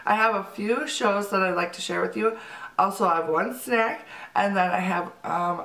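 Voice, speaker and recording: A woman's voice: fairly low pitch, a bit bright, echoey room, distant mic, poor audio. Congested chatty woman vlogger. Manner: chatty, upbeat, lots of fillers. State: congested from a cold. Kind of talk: casual chat to camera.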